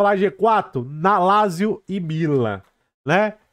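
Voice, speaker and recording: Against a quiet background, a man with a Brazilian accent speaks at a high pitch in an animated tone with very wide pitch swings. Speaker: football commentator. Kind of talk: heated sports commentary, opinionated rant. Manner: animated, emphatic. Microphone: studio mic.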